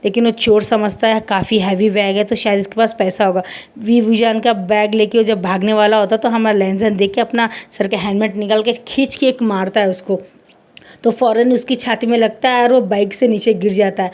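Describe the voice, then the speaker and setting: Woman, storyteller, conversational, rambling, warm mellow voice. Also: mid-range voice, fairly even intonation, normal speed. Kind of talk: fan fiction storytelling narration.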